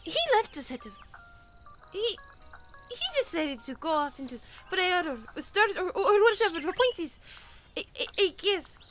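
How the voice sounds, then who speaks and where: Woman acting very high-voiced, chatty young princess. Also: expressive, moderate pace, soft background music. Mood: earnest, pleading. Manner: rambling, emphatic, stammering. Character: young princess, chatty, earnest, coaxing her sibling. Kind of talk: fiction podcast acting.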